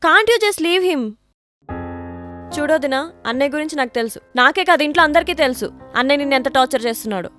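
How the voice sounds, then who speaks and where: A woman's voice: high voice, lively intonation, fast, a bit bright, faint music behind. An actress playing an outspoken young college student who urges her sister-in-law to leave her husband, mixing in English words. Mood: insistent. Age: young adult. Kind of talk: short film acting.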